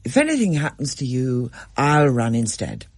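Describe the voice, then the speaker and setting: Reader as fey schoolgirl: husky, hushed, unsettling. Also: mid-range voice, big pitch swings, normal speed, dry recording, clean studio sound. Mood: calm. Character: odd, fey schoolgirl with premonitions.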